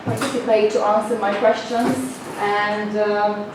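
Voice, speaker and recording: A woman lectures a summer seminar at a slow, patient pace, sprinkling her English with filler sounds. She speaks in a very reverberant room, picked up from a distance. A steady hiss of noise sits under her voice. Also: mid-range voice. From northern Slovenia. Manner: unhurried, many filler sounds, inviting. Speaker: guest lecturer. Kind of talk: seminar lecture with questions to the audience. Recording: very echoey room, mic far off, noisy.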